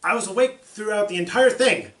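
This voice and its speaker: A performer voicing a calm, matter-of-fact crewmate in an amateur fan film, puzzled and reassuring. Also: medium pitch, fairly quick, reverberant, far from the mic, close to an everyday voice.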